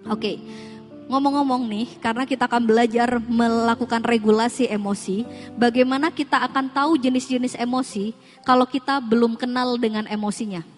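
A woman with a high, bright-pitched voice gives an animated Islamic parenting talk to a room of parents. She throws rhetorical questions at the audience and slips into quoted voices to make her point. Music plays clearly behind her. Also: moderate pace. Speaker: parenting seminar speaker.

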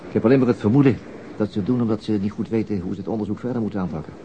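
An actor playing a weary, hesitant, middle-aged police detective in a naturalistic radio drama. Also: male voice, lowish voice, rapid-fire, lo-fi sound, noisy background, lightly acted. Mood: tired, dry. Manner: hesitant, understated. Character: weary, terse male police detective and father.

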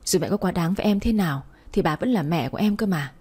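Woman voicing a stern young man, firm scolding manner, husky tone, storybook reading. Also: on the low side, lively intonation, quick pace, a little mellow. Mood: urging. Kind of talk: storybook narration.

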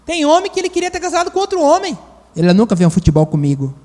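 Male pastor with a high voice, animated preaching style, long church-hall reverb. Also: rapid-fire. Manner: animated, acts out quoted voices. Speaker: pastor and psychologist. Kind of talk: sermon.

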